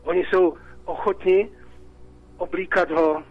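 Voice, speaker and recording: A man's voice: high-pitched, steady tone, narrow, tinny audio. A Czech man calling in to a radio talk show, talking in an agitated, repetitive way. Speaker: caller.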